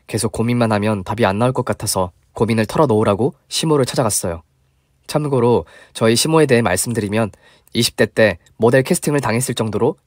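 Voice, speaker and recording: Narrator: man, mid pitch, confiding story read, dry close recording. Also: dry recording.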